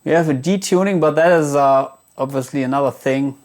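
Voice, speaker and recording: A man's voice: fairly high pitch, a little fast, darkish tone. A man giving a casual, unscripted guitar gear demo, thinking aloud in a hesitant way.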